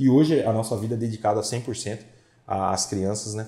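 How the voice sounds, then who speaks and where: Audible room echo hangs around a man's voice. His tone is dark and mellow, and somewhat breathy. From São Paulo city (Itaquera), Brazil; raised in Santa Bárbara d'Oeste; São Paulo, Brazil. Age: 40s. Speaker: public servant; guest. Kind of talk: interview; interview answer. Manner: halting, with many repetitions. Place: studio.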